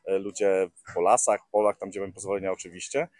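A man's voice: deep voice, little pitch movement, quick pace, a little mellow, no room sound, clean studio sound. A man in his forties, organizer of a metal-detecting rally, answering interview questions outdoors on a lapel mic, hesitant with many filler sounds and restarts. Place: garden outdoors in summer.

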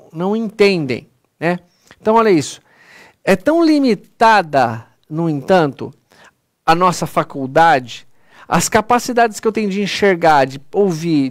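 Speaking in a high voice with a Brazilian Portuguese accent, a man delivers an earnest, conversational spiritist lecture online, frequently addressing listeners as "pessoal." The recording is clean studio sound with no room sound.

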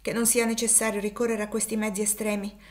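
A woman voicing a calm, pious older man who speaks gently and solemnly. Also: mid-range voice, quick pace, natural voice.

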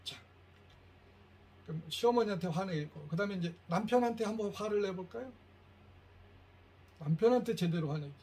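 Man, middle-aged, higher-pitched, lecturing parents, storytelling, acts out quotes. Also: animated, normal speed, long pauses, warm tone.

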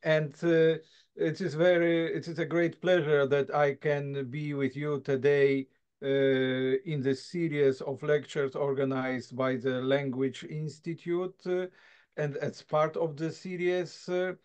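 A man lectures remotely at a very unhurried pace, his voice pitched a little high. He pauses often, filling the gaps with thoughtful filler sounds and tag questions. The video call audio comes through dull and lo-fi. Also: level tone, darkish tone, clean tone. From southern Poland. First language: Silesian. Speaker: guest lecturer. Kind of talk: academic lecture.

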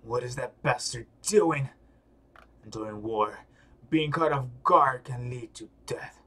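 Menacing comic soldier-fighter man, put on by a male reader, gruff, stern, dropped pitch. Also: slow pace, sharp tone.

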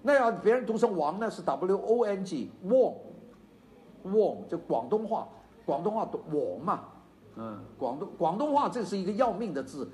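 An older man with a Chaozhou-tinged Mandarin accent giving a university lecture, animated and digressive, with many fillers and asides. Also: high voice, a little fast. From China.

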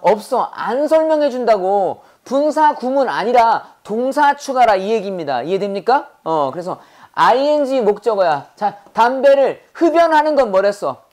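A woman teaching an English grammar class with a Korean accent, quizzing students with constant questions and saying English phrases slowly for them to repeat. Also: a little high, very animated, darkish tone.

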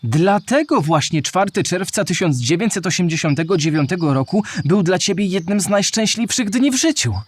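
A man's voice: high-pitched, animated, moderate pace, hardly any pauses, dry recording, clean studio sound. A man playing a curious, wondering young boy in an educational audio play for children. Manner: inquisitive, wondering. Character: curious young boy listening to history tales.

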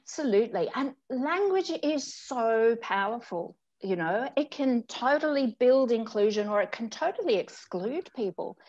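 A woman's voice: a little high, expressive, moderate pace, few pauses, darkish tone, dull audio. A middle-aged woman from Australia, a communications executive, speaking earnestly as a guest on a video call interview from home. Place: home room indoors.

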